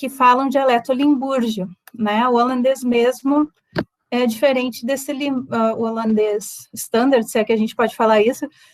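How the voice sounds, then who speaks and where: A woman speaks at a high pitch. Her intonation is monotone and flat. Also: moderate pace. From southern Brazil, Porto Alegre region. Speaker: linguistics professor. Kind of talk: lecture.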